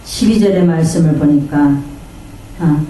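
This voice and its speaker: Woman pastor, sermon, dark mellow voice, distant mic, heavy hall echo. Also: sits low, measured pace, slight background noise. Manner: preaching with call-and-response amens, acting out quoted voices. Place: church sanctuary. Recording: echoey church hall from far off.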